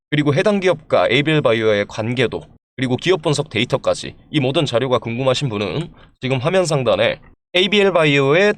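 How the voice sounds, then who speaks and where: A man hosting stock analysis commentary, explaining to viewers in a polite, formal way with a voice congested by a throat and head cold. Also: mid-range voice. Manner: polite, formal presenter address. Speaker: stock analysis channel host.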